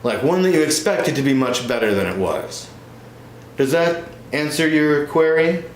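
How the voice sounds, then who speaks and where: A man's voice: on the high side, big pitch swings, moderate pace. A man playing both parts in a one-man stage comedy, here as a smug, pedantic, boastful older twin brother. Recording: roomy echo with faint noise.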